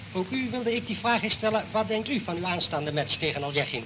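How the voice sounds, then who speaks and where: Over noticeable background noise, a man raises and projects his voice, moving at a fairly quick pace with lively intonation. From Netherlands. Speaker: radio sports reporter. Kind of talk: radio interview. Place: studio. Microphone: old recording.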